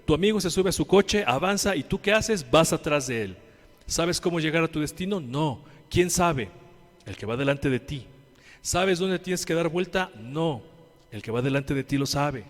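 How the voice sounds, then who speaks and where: A Mexican man preaching a sermon as pastor, asking his congregation questions and swinging from loud emphatic lines to quiet ones. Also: fairly high pitch, expressive, normal speed. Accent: Mexican Spanish. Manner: preaching with rhetorical questions and call-and-response. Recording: long hall reverb.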